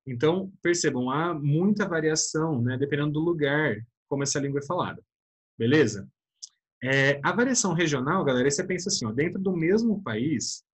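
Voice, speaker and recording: A man's voice: a little high, breathy edge. A man with a Brazilian Portuguese accent teaching a casual online class, chatty and informal, constantly checking in with his students. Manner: chatty, keeps adding "né?" and addressing students as "galera".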